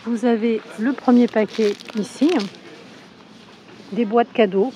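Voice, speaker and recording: A woman with a hoarse voice from a cold, chatting casually as she shows products in a supermarket on a handheld phone. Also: on the high side, steady tone, slow, dark tone, a little hiss or hum, poor audio. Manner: chatty, with frequent fillers. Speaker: shopping vlogger. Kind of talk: casual store walkthrough. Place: inside a supermarket.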